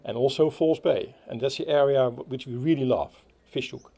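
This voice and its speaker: Dutch-accented man with a mellow voice. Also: medium pitch, gravelly. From Netherlands. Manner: halting, many fillers and restarts. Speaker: Rotary club speaker. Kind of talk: outdoor opening speech. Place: outdoor playground.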